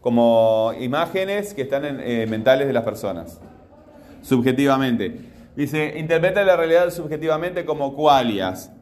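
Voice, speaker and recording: A man's voice: medium pitch, lively intonation, normal speed, darkish tone. A man teaching a class, patiently questioning his students as he goes. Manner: patient, asks the class repeatedly.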